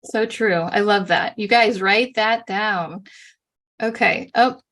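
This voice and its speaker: A woman's voice: medium pitch, slow. A woman in her forties hosting a live online talk, chatty and full of agreement. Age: 40s. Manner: chatty, with many fillers and restarts, warmly agreeing. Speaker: host.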